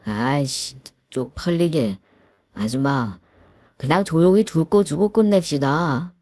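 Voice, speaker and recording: A menacing young male thug, crude and bullying, as a woman acts him out. His lowered voice sneers and threatens, then flares into shouts. The sound is close and dry, like a storytelling booth. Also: a little slow, no room sound. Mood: threatening. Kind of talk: Korean audio story acting.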